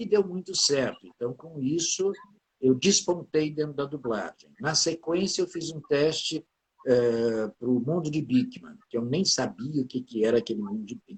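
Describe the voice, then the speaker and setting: At a fairly slow pace, a somewhat breathy man with a fairly high voice shows very wide pitch swings and big swings in loudness. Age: 70s. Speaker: voice actor and stage actor. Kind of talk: interview.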